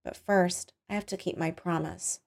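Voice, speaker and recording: A woman's voice: sits high, expressive, moderate pace, pitched above the performer's own voice, heavily acted. Woman acting an unhinged, vengeful young woman. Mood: quiet menace. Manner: dreamy quiet menace breaking into angry bursts. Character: unhinged vengeful young woman captor, dreamy then furious.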